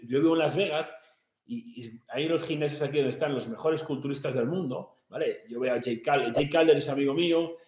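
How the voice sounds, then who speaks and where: Brash motivational influencer, somewhat high-pitched, swears constantly and lectures the viewer, recorded in a roomy, echoey office. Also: male voice, darkish tone. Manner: brash, profane and confrontational, gesturing broadly. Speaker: fitness and business influencer. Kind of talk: motivational rant to camera. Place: small home office, indoors. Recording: echoey room.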